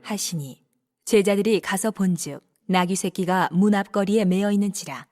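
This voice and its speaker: A woman narrating scripture from a script in a measured, formal manner. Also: mid-range voice, a little mellow. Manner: measured, formal read delivery.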